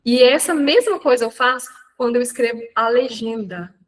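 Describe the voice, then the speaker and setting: A Brazilian Portuguese-speaking woman mentoring an audience in a live online talk, chatty and animated, often restarting her sentences. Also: a little high, moderate pace, poor audio.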